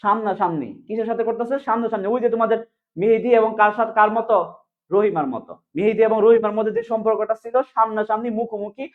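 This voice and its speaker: A man teaching chemistry in an online exam-prep class, drilling students with quick repeated questions. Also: high voice, fairly even intonation. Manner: fast, repetitive question-and-answer drilling. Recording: phone-like narrow sound.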